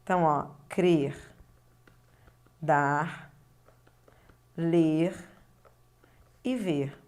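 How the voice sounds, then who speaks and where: Speaking very slowly in a low, slightly mellow voice, a woman presents a video grammar lesson. She explains each step in turn. She uses tag questions to check that the listener understands.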